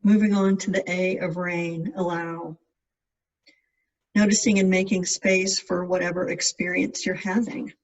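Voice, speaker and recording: A meditation guide giving gentle, measured instructions in spaced-out phrases. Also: mid-range voice, little pitch movement. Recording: distant mic, dull lo-fi sound.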